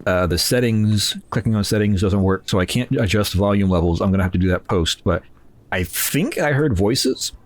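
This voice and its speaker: A man's voice: lowish voice, moderate pace. A man in his twenties giving rambling, self-mocking commentary while playing a horror game, reading its text aloud. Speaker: gaming channel host. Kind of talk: casual let's play commentary.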